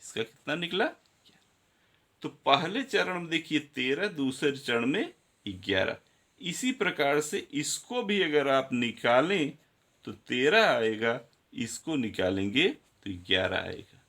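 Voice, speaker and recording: A man's voice: medium pitch, very animated, slow pace, sharp tone. A male teacher giving a grammar lesson, counting syllables aloud and speaking directly to his students.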